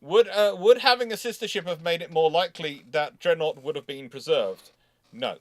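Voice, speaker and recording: A man hosting a casual live question-and-answer session, talking in a halting way and interrupting himself as he goes. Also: on the high side.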